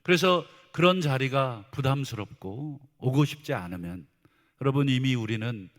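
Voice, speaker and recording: Korean pastor preaching in a reverberant church. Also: male voice, medium pitch, lively intonation, moderate pace, a bit bright. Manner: preaching with humor, acting out married-couple exchanges; addresses the congregation directly, asking questions. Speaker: senior pastor. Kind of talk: sermon. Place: church sanctuary. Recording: long church hall reverb.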